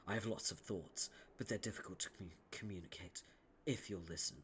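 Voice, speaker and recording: A man voicing a stiff, haughty young male troll noble, speaking formally in a low, breathy hush. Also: fairly quick, a little hiss or hum, lightly acted. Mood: brooding. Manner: formal, pompous diction, hushed breathy delivery.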